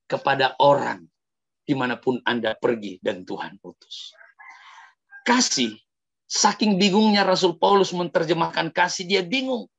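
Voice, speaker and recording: A male pastor telling a story in an animated sermon, often addressing the congregation directly. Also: medium pitch, vocal fry, breathy edge. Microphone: livestream sermon mic.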